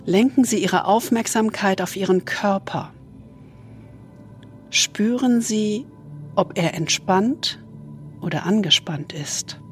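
A woman leads a guided meditation in a soft, soothing spa manner, leaving long pauses and trailing into breathiness. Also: mid-range voice, faint music behind. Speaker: host guiding a relaxation exercise.

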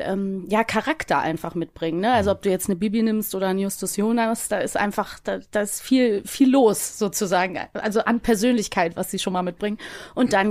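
A woman's voice: mid-range voice, a little mellow, dry recording. Woman chatting in a dry-sounding room. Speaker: podcast guest. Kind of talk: casual podcast discussion.

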